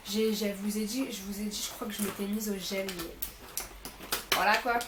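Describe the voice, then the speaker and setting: Mildly ill and sounding a bit off, a young woman presents a shopping haul to camera in a rambling, informal, self-correcting way. Her voice is medium-pitched with fairly even intonation and normal speed, captured in an echoey room with heavy background noise.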